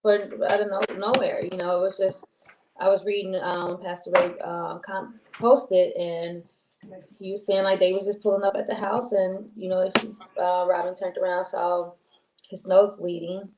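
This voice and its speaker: Low-voiced woman co-hosting a live chat, echoey room. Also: level tone, moderate pace. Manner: rambling, heartfelt, many ums and restarts. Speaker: co-host. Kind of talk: casual live-stream chat. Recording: echoey room with faint noise.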